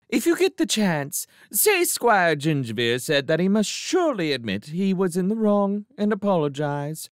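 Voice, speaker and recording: A man's voice: a little high, no echo, studio quality, voice pushed up, full character voice. A man voicing a languid genteel barn cat. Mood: cautioning. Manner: languid, genteel and slightly prim. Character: idle, refined male barn cat, gentle and fussy.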